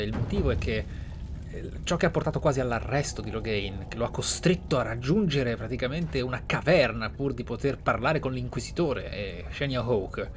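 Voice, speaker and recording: A man giving dramatic game commentary as a streamer, theatrical and deliberate, with drawn-out phrases. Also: mid-range voice, a little hiss or hum. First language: Italian. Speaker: gaming streamer. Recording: faint game ambience behind. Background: video game sounds.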